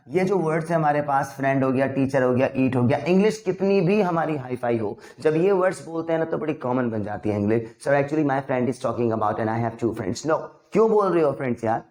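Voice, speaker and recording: A young man teaching English vocabulary in a casual, chatty way. He mixes two languages and slows down to spell out the English example sentences. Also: medium pitch, darkish tone.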